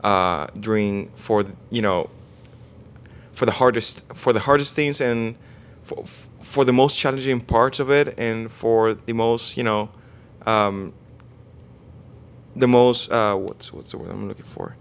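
A young man from Venezuela, a guest in a casual interview, who speaks haltingly, restarts often and searches for words. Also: on the low side, clear, resonant tone. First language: Spanish. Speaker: guest, online fitness coach.

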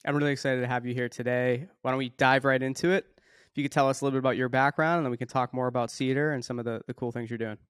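A man's voice: medium pitch, steady tone, rapid-fire, a bit bright, smooth, no echo, clean studio sound. A man hosting a podcast, asking questions in an upbeat way and often repeating words as he frames them. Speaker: podcast host. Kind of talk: conversational podcast interview.

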